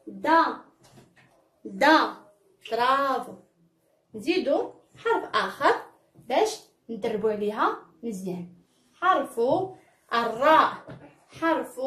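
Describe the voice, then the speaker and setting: A woman with a Moroccan Arabic accent teaches young children their first sounds, stretching and repeating each syllable and cheering them on. Her voice sits high and swings widely in pitch. It is recorded in an echoey room. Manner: encouraging, drawn-out repeated syllables. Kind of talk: children's phonics lesson.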